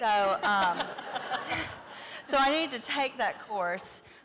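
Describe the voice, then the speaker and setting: Noticeable background noise is present throughout. A woman talks at a medium pitch. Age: 30s. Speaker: transfer student, Marine veteran. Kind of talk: panel discussion.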